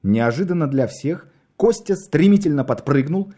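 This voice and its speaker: A man reading a story aloud, expressive and wry in his storytelling. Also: on the high side, moderate pace. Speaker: narrator. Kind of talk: audiobook narration.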